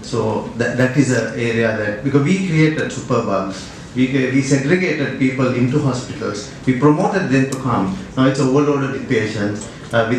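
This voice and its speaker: With audible room echo and light background noise, a man talks at a moderate pace with hardly any pauses and ordinary pitch variation. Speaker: conference presenter. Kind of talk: lecture. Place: hall. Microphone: camera far.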